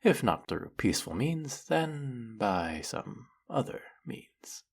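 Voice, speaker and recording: A man playing a flirty, fanatically devoted demon familiar in a dramatic audio roleplay, with fawning, formal diction and a breathy, husky voice. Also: mid-range voice, sing-song, slow, exaggerated voice. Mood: fanatical worship. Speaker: voice actor. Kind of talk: dramatic roleplay monologue spoken to the listener.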